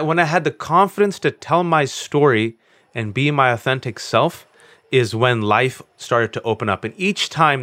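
A man in his forties talking candidly as an interview guest, earnest and animated, with self-mocking storytelling. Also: mid-range voice, no echo. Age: 40s. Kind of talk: candid conversation.

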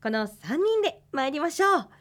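Woman assistant, radio lesson. High voice, brisk and cheerful, cues segments and reads translations. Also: very animated, fairly bright tone. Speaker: program assistant.

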